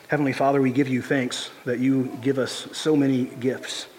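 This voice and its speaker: A man's voice: medium pitch, level tone, moderate pace, a little mellow, slight background noise. A male pastor leading prayer and preaching, earnest, with frequent "uh" hesitations. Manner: frequent "uh" hesitations, earnest and lifts voice reading scripture. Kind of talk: sermon and prayer. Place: church sanctuary. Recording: reverberant church hall, faint ambience.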